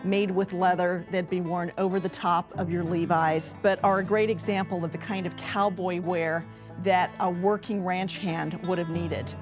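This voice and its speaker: Female American archivist, somewhat low voice, documentary storytelling, guitar bed underneath. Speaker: archivist and narrator.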